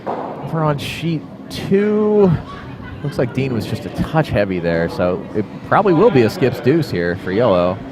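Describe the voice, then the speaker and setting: A man giving relaxed curling play-by-play and analysis, with a loose, filler-heavy way of talking. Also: mid-range voice, normal speed, a crowd in the background. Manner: relaxed, analytical, says "like" and "you know" often. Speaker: curling commentator.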